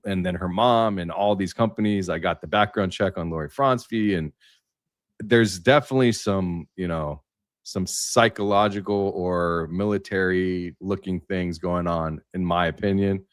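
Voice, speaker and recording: A man speaking as a panelist in a livestream discussion, rambling and tentative as he thinks out loud. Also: low-pitched, fairly even intonation, no room sound, studio quality. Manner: halting, tentative, thinking aloud.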